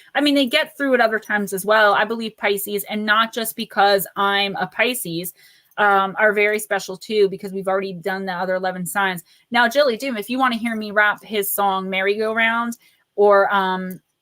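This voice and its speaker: A woman's medium-pitched voice with a bright, sharp tone, fairly even intonation and a moderate pace, in a New Jersey accent. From northern New Jersey (Paterson). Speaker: tarot and oracle card reader. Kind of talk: live-stream card readings and chat. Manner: casual, chatty.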